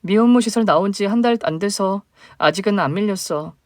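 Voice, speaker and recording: A woman's voice: mid-range voice, fairly quick, darkish tone, dry recording, clean studio sound, natural voice. A woman voicing a hurt young single mother, the younger sister, speaking plaintively in a dramatized story. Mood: weary. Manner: plaintive, emotional questioning.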